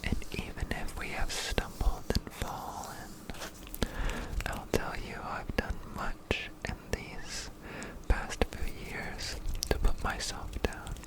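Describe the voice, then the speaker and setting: A man delivers an ASMR pep talk entirely in whispers. His pacing is very slow and unhurried. He sounds gentle and earnest as he offers encouraging affirmations directly to the listener. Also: poor audio. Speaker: ASMR creator and streamer.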